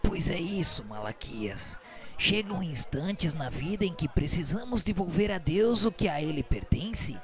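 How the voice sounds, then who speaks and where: A man playing a patient, kindly healer in a radio novela, speaking in a gentle, measured, soothing way. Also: on the high side, animated. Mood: gentle, reassuring. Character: patient, kindly male spirit-world healer. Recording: music under the voice.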